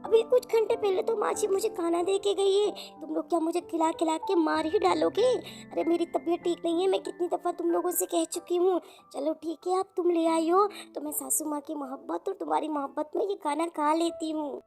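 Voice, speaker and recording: A woman's voice: very high voice, fairly even intonation, moderate pace, gravelly, hardly any pauses, darkish tone. A woman voicing a fussy young newlywed bride in a cartoon, complaining dramatically about being overfed. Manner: whiny, dramatic. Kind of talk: Hindi cartoon voice acting. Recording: background music.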